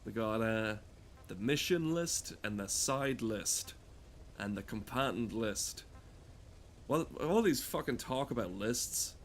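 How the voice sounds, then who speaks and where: A man's voice: lowish voice, animated, slow, slight background noise. A man giving crude, comedic, rambling commentary while playing a game, swearing often. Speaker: gamer talking over gameplay.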